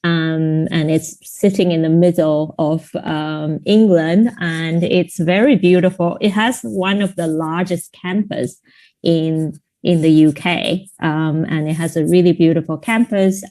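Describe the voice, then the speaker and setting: A woman psychology lecturer introducing herself at an online seminar, speaking in a measured way with frequent ums, over a video call. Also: low voice, warm tone. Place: home, visiting another city.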